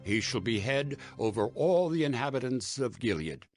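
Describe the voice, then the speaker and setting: A man's voice: medium pitch, expressive, moderate pace, no echo, studio quality, faint music behind, natural voice. A man playing a grave tribal leader seeking a war chief, declamatory, in a dramatized scripture reading. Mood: grave resolve.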